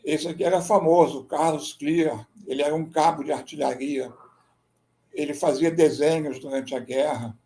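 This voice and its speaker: A Brazilian man, a military history researcher and writer, giving a measured, explanatory slide presentation and often tagging his sentences with a questioning "né?". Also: a little high, steady tone, dark tone. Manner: measured, explanatory, with frequent "né?" tags.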